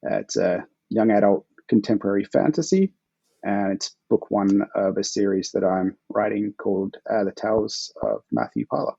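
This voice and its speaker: A forty-year-old Australian man chatting casually and in a low-key way as an author guest on a podcast. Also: animated, moderate pace, vocal fry, mellow, breathy edge, no room sound, muffled recording. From Perth, Australia.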